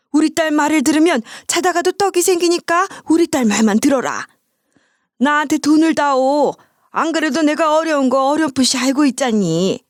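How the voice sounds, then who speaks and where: A woman's voice: high-pitched, no room sound, clean studio sound. A woman putting on a greedy, bossy old mother-in-law. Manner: drawn-out, bossy commands. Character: greedy older mother-in-law, demanding and scheming.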